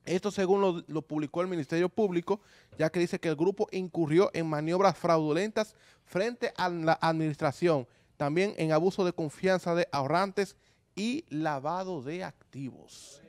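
Male co-host reading a report, measured pace, smooth voice, dry close sound. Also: on the high side, darkish tone, dry recording. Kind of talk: reading news report on panel show.

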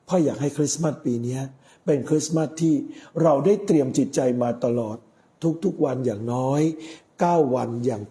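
Casting: middle-aged male priest, very dark mellow tone, unhurried sermon delivery with pauses. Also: mid-range voice. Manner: measured, with frequent pauses. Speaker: Catholic priest.

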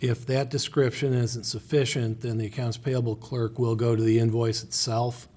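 A man's voice: mid-range voice, little pitch movement, moderate pace, a little mellow. A man speaking as finance director at a council meeting, plain and matter-of-fact. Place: city council chamber.

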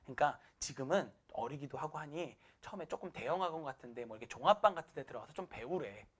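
A male teacher talks to his students in a quick, bouncing voice that leaps up and down. His voice sits a little high for a man, and he jumps into the voices of the people in his story. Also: slightly rough. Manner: animated, acts out quoted people, laughs at himself. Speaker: math teacher.

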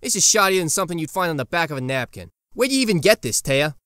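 A man's voice: a little high, very animated, quick pace, fairly bright tone, clear, resonant tone, no room sound, studio quality. A man playing a streetwise, sardonic teenage boy in a colloquial audio drama style. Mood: dry, defensive. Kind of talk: casual, colloquial fan audio drama acting.

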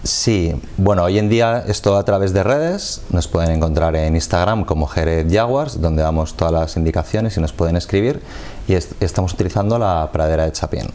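A man, a football coach explaining his sport in a measured way during a TV studio interview on a lapel mic. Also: low-pitched, dark tone. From Madrid, Spain. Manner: measured, explanatory, gestures with hands.

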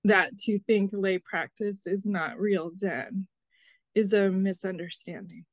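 Slow, thoughtful young woman, hoarse. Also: mid-range voice, dry recording. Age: young adult. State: hoarse, coughing. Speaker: panelist, lay Zen teacher. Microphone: video call.

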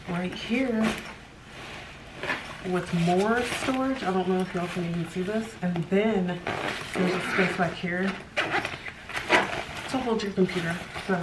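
Low-voiced American woman vlogging over noticeable noise. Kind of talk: casual vlog chat, showing items to camera. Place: hotel room, indoors. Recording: clearly noisy room sound.

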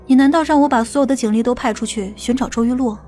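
A woman's voice: on the high side, fast, dark tone, faint music behind, lightly acted. A woman playing a stern, impatient police detective in an audiobook drama. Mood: heated.

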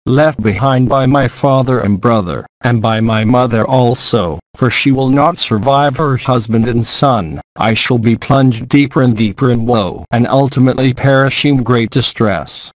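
An earnest young daughter pleading with her father, read out by a man in a storybook reading. The voice sits at an ordinary middle pitch and sounds dry and close. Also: measured pace, hardly any pauses, dry recording, lightly acted, rough recording. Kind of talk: audiobook reading.

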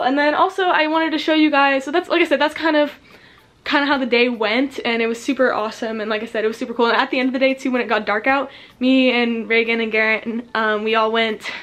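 A teenage girl of sixteen chats in a casual vlog, bubbly and full of "like" fillers. She talks in a rapid rush that leaves her out of breath, and her voice sits fairly high for a woman. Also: fairly bright tone. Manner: bubbly, says like a lot; talks fast, runs out of breath. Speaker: vlogger. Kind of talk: casual chat.

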